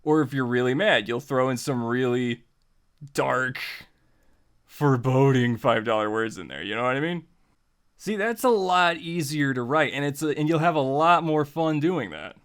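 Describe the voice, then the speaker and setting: A man teaches in an informal, chatty tutorial style, with a middling pitch. He leans on repeated phrases to drive points home and talks to the listener directly, as a host would. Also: animated, normal speed, fairly bright tone, clean tone. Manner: informal, repeats phrases for emphasis, acts out example remarks. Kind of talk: casual, conversational writing lesson.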